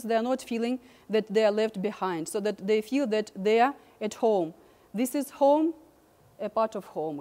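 A woman's voice: on the high side, mellow. A middle-aged woman giving an informal, encouraging, reassuring speech to students. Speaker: university staff member addressing students. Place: large library hall full of students. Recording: long reverb in large room.

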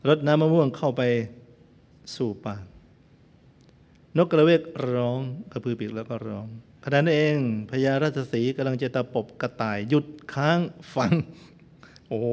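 A male Buddhist monk preaches in a middle-pitched voice, mixing storytelling with teasing jokes aimed at his listeners. His voice carries a long reverb tail, as if recorded in a big hall. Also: darkish tone. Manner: playful, joking asides to listeners. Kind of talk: sermon with storytelling.

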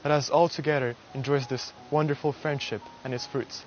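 A young man from Russia, a university student, giving an earnest, measured prepared speech to camera on a lapel mic, outdoors on a garden stage at night. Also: medium pitch, steady tone, muffled recording, a little hiss or hum. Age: young adult.

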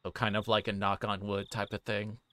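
A man livestreaming a visual novel, reading text aloud and commenting casually in a halting, informal way. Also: lowish voice, level tone, sharp tone. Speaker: streamer.

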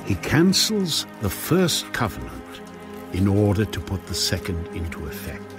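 Male narrator, lowish voice, very animated intonation, earnest dramatic scripture reading, emphatic. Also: measured pace, music in the background.

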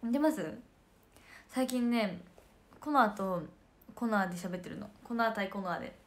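A woman's voice: medium pitch, moderate pace. A woman in her late teens hosting a casual livestream, chatting and giggling while reading viewer comments. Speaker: idol livestream host.

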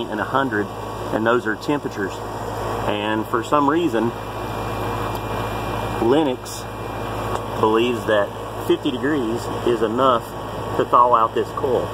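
Low-voiced man giving a repair tutorial. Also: background noise. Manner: plain-spoken, folksy and practical. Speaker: HVAC technician. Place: outdoors beside a heat pump unit.

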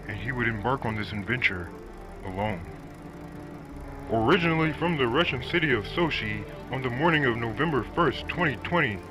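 A man's voice: medium pitch, rough recording. Somber male documentary narrator. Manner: somber, measured storytelling. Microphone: voice-over. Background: music underneath.

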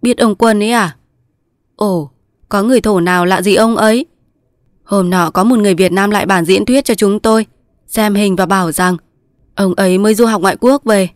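A woman voicing a calm, kindly old male villager who speaks plainly in a storybook reading. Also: medium pitch, normal speed, no room sound, clean studio sound, lightly acted.

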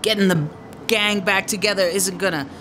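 A woman's voice: medium pitch, moderate pace, noisy background, close to an everyday voice. A woman playing a headstrong, aggrieved female musician in a radio drama, speaking in a blunt, slangy, dismissive way. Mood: confrontational. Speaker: actor in a serialized radio drama. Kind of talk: naturalistic radio drama acting.

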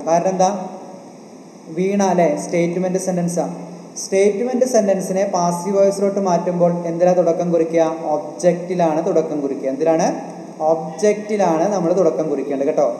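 A man's voice: high voice, moderate pace, warm tone. A male teacher with a Malayali accent giving an online grammar lesson, repeating each point and answering his own questions. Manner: repetitive, asks questions and answers them himself. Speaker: exam coaching teacher. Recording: echoey room with faint noise.

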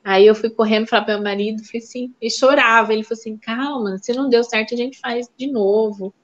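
A woman guest telling her own story in a casual chat, animated and acting out the voices of people she quotes, on a dull lo-fi recording. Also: a little high, fast talker. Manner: animated, acts out quoted dialogue. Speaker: interview guest sharing her fertility story.

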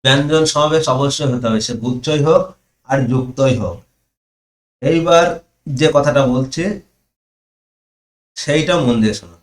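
Male teacher, online grammar lesson, slow dictation with stressed key terms, echoey room. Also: medium pitch.

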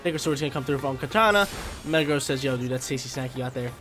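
Fast and hyped, this young gamer's male voice is mid-range and a bit bright, though nasal and stuffy from allergies. He narrates a video game battle live for YouTube, slinging slang and muttering to himself about moves, with quiet game music behind him.

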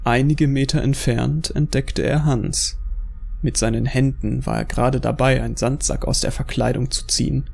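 A man narrates a scripted horror story in a gravelly, creaky voice of middle pitch. Faint music plays beneath his narration. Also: fairly even intonation, moderate pace, a little mellow.

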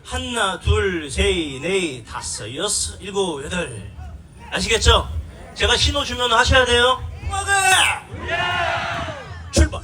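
High-pitched guy singing and joking with the crowd on an outdoor stage, loud music behind. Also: very animated, unhurried. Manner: loud playful banter, teases the audience, runs quizzes. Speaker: pumba performer and emcee. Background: live music and crowd.

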